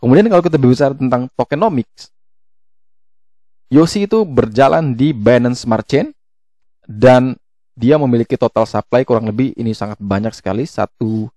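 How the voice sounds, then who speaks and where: Mellow-voiced man explaining casually, haltingly. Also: medium pitch, no room sound, studio quality. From Indonesia. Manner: halting, with frequent hesitations and self-corrections. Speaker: YouTube host explaining crypto tokens. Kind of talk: casual explainer, walking through a web page.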